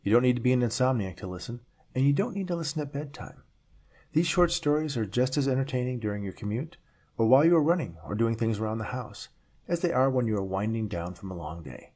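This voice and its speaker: A man narrating scripted stories as a podcast host, with a measured, dramatic delivery and deliberate pauses. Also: medium pitch, lively intonation, a little mellow.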